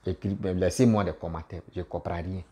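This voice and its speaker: Male comedian-vlogger, deep warm voice, animated and repetitive. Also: brisk. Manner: animated, repetitive, laughs at himself. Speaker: comedian and YouTuber. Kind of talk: casual political commentary vlog.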